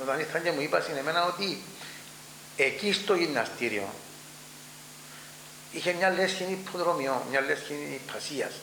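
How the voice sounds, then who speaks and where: An older man with a Cypriot Greek accent, recalling past events in an oral history interview and acting out the dialogue as he tells it. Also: a little high. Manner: animated storytelling, acts out dialogue. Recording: echoey room with faint hum.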